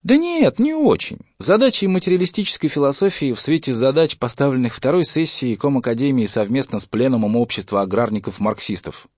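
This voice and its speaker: A man's voice: medium pitch, expressive, brisk, hardly any pauses, a little mellow, breathy edge, no echo, highs cut off, voice pushed up. A man reading a story, voicing a dogmatic schoolboy who lectures his father. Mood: lecturing. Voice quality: preachy, self-assured lecturing tone.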